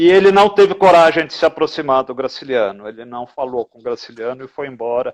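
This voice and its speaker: Hardly pausing, a man speaks with lively intonation at a fairly high pitch, in a dry, close sound with no echo. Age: 60s. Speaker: writer and literature professor. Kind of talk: interview conversation. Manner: halting, many fillers and restarts.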